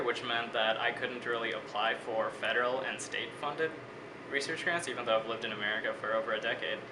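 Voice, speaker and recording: A man in his twenties from Bangladesh, a biology student giving thoughtful, articulate interview answers. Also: medium pitch. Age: 20s. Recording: echoey room with steady air-conditioning hum.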